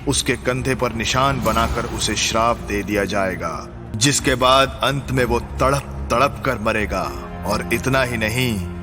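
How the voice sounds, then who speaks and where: A man dubbing a film character who gravely narrates an old legend. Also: mid-range voice, lightly acted.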